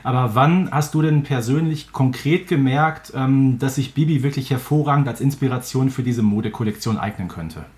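A man's voice: medium pitch, normal speed, hardly any pauses, a little mellow. A man interviewing a guest in a casual, conversational style. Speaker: podcast interviewer.

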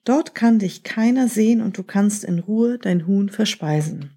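A woman voicing a deceitful grown man in a children's story, speaking calmly and slowly in her own soft, husky voice. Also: mid-range voice. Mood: scheming.

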